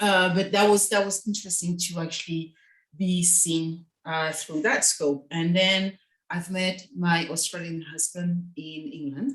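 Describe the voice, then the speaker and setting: Somewhat breathy, a woman with a French accent speaks at a fairly low pitch, a fairly slow pace and with fairly even intonation. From France, Paris. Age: 50s. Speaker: author and businesswoman. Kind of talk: online seminar talk.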